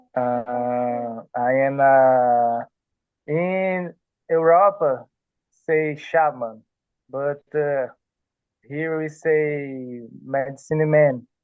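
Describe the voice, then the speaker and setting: In a Brazilian Portuguese accent, the voice moves at a very slow pace with long, frequent pauses and ordinary pitch variation. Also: man, fairly high pitch for a man. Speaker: medicine man. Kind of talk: group video call introduction. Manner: halting.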